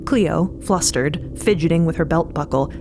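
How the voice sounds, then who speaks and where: A woman's voice: deep voice, moderate pace, background noise. A woman narrating an audio drama in a scripted, dramatic storytelling style.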